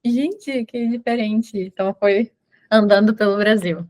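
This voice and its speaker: A woman's voice: medium pitch, measured pace, a little mellow. Enthusiastic woman hosting an interview. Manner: enthusiastic, exclamatory reactions. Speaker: interview host. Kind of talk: casual interview.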